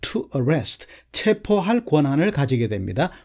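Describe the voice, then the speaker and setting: A man gives a steady lesson on English news vocabulary. His voice is dark and mellow, sitting a bit high. He slows right down to read English examples word by word, then explains each one. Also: vocal fry. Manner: measured, repeats a filler before each point, reads English examples slowly.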